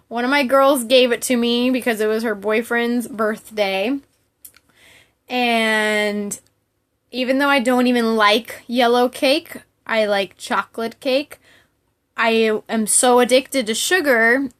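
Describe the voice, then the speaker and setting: A woman's voice: on the high side, a bit bright. A woman chatting casually to viewers as a livestream host, candid and rambling in a giggly, informal way.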